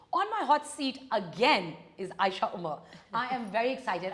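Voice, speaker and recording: Noticeable background noise sits behind a woman whose fairly high voice has lively intonation. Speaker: interview show host. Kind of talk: casual interview. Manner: fast.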